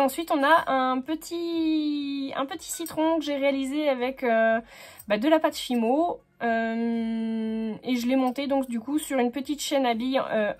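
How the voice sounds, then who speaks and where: A woman hosting a casual scrapbooking tutorial, chatty and full of fillers and self-corrections. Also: sits high.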